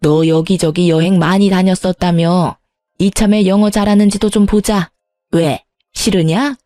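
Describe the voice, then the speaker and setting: A woman's voice: on the low side, steady tone, moderate pace, warm tone, no room sound, soft background music, close to an everyday voice. A woman voicing a bossy, demanding older mother-in-law who scolds and pushes in a storytelling video. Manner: pushy, scolding.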